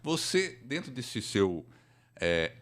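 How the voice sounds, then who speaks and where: A man's voice: mid-range voice, very animated, slow pace, a bit bright. A middle-aged Brazilian man hosting a casual live interview, chatting in a jovial, informal way. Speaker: podcast host and interviewer.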